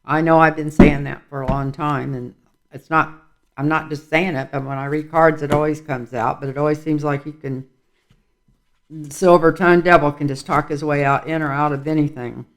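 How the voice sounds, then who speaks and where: A man's voice: a little high, steady tone, moderate pace, a bit bright. A man reading tarot cards in a casual vlog, rambling and musing aloud as he goes. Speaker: tarot reader.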